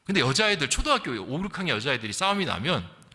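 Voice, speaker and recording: A man's voice: fairly high pitch, sing-song, fast, bright, forceful tone. A middle-aged man from the Gyeongsang region of South Korea preaching a sermon as a pastor, in a conversational storytelling way with rhetorical questions. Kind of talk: sermon with anecdotes and acted-out quotes. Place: large reverberant church hall. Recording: long hall reverb.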